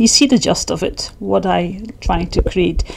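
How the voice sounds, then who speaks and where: A woman with a Dutch accent at a moderate pace. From Netherlands. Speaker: hobby stone painter. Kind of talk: tutorial. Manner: casual, some hesitations and repeats.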